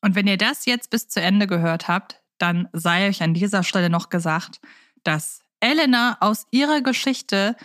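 A woman hosting a podcast, speaking off the cuff in a halting, reflective way. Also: medium pitch, fairly bright tone, no echo, clean studio sound. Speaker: podcast host. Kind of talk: unscripted podcast sign-off.

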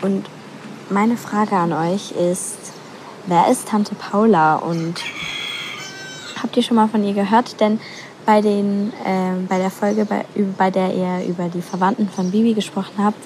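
A woman's voice: medium pitch, fairly even intonation, unhurried, a little hiss or hum. A sixteen-year-old girl, leaving an informal voice message as a quiz listener. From Switzerland. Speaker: listener sending a quiz question.

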